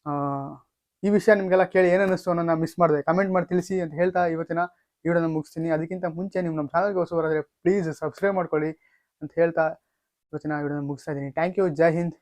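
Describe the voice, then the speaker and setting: A man hosting a casual news update video, speaking haltingly with drawn-out hesitations and repeated stock phrases. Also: a little high, fairly even intonation, a little mellow, dry recording, studio quality. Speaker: YouTube channel host. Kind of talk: casual film and gaming news update to camera or mic.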